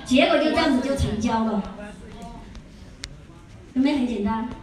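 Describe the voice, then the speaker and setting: Woman, high voice, animated seminar storyteller, very echoey room, heard from afar. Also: normal speed, distant mic. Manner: animated, chatty, laughs often, asks the audience questions. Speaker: skincare sales consultant giving a seminar. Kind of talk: lively storytelling lecture.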